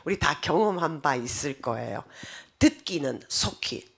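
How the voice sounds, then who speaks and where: A woman pastor delivers a sermon in a slightly low, husky voice. Her pitch rises and falls widely as she explains scripture. She keeps turning to the congregation with rhetorical questions. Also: expressive, measured pace.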